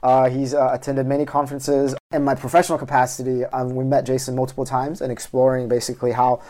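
Man, interviewer, mellow voice, chatty, conference setting. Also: medium pitch, completely flat delivery. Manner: chatty, quick follow-up questions. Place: conference venue.

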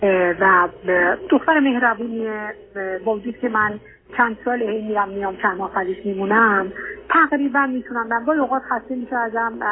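An older middle-aged woman with an Iranian Persian accent, hesitant and politely deferential, telling her personal story as a caller on an advice line. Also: fairly high pitch. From Iran. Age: 50s or older. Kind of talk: personal account on a radio advice call. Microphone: phone call to a radio show. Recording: tinny narrow-band phone line.

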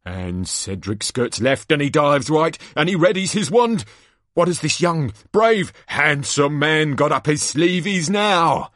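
A man voicing a bombastic sports announcer from a storybook, a booming showman with drawn-out theatrical calls. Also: very animated, a bit bright, no room sound, studio quality. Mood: excited, dramatic. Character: bombastic male sports announcer hyping a tournament.

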